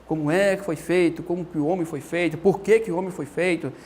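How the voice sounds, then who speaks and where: A man teaching Bible doctrine in a lively, storytelling way with a Brazilian Portuguese accent, acting out the quotes. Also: on the high side, fairly quick, a little hiss or hum. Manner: animated storytelling, acts out quotes. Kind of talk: lively church teaching talk.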